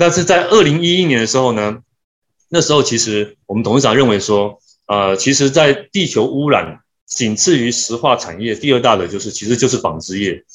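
The speech moves at a moderate pace, with very wide pitch swings. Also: man, medium pitch for a man. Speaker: executive of a family clothing company. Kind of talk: live-stream business talk.

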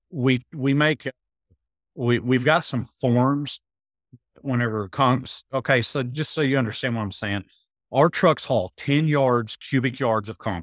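A man at a medium pitch with ordinary pitch variation, fairly slow and marked by long, frequent pauses, in a dry, close sound with no echo and a very clean recording against a silent background. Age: 40s. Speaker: business executive. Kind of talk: casual chat.

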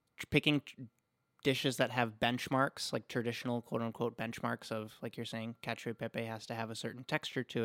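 With a dry, close sound and no echo, a man speaks at a medium pitch in a monotone, flat intonation. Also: very clean recording, silent background. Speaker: podcast host and chef. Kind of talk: interview.

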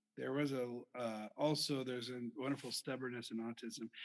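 A man talks at a fairly quick pace with an American accent. He has a plain, everyday voice at medium pitch. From rural eastern Montana. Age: 40s. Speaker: pastor. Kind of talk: casual chat.

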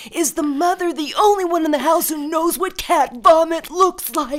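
A female-sounding voice puts on a shrill character voice at an extremely high pitch. She keeps a moderate pace over light background noise. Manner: bellowing, scolding.

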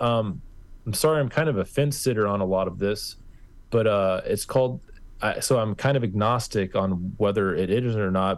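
An unremarkable speaking voice, this man talks at a fairly quick pace with an American accent, fairly low pitch and ordinary pitch variation, on a very clean recording with a silent background. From Kansas, US Midwest. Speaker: author and history researcher. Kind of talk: casual interview chat.

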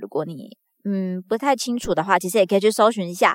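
The woman speaks fairly quickly in a plain, everyday voice. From Taiwan. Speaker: podcast host. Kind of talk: solo news commentary podcast. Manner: casual, conversational.

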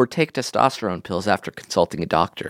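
In a very clean recording with a silent background, a man speaks at a moderate pace with vocal fry and very wide pitch swings, the sound dry and close with no echo. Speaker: comedy advice podcast co-host. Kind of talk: casual comedic chat.

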